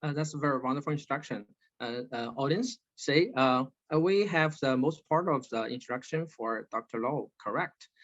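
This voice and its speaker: A man hosting an online talk, moderating with many halting fillers and restarts over a video call. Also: mid-range voice, fairly bright tone. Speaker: webinar host and moderator. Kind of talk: hesitant online panel moderation. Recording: slightly dull lo-fi video call audio.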